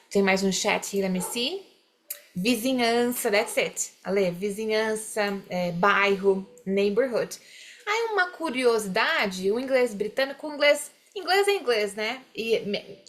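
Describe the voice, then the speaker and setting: A woman's voice: a little high, a bit bright. Woman teaching an English lesson. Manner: explains in Portuguese, slows down to model English words; checks in with students often. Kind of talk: online English class.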